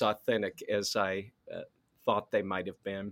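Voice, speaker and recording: A man's normal speaking voice at a medium pitch, fairly slow, on a very clean recording with a silent background. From Missouri, Ozarks. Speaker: preacher and ministry leader. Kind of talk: casual interview conversation.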